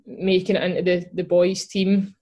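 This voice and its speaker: Appearing as a guest in a relaxed interview, this young Scottish footballer and podcast co-host speaks in a Glaswegian accent, filling gaps and restarting often. Her lowish voice is mellow and level, at a normal speed.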